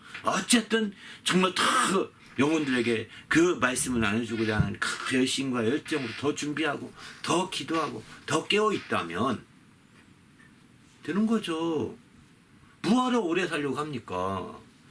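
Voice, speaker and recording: Long, frequent pauses break up a man's fairly slow speech. His pitch is fairly high and swings very widely. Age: 60s. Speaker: pastor. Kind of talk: sermon. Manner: halting.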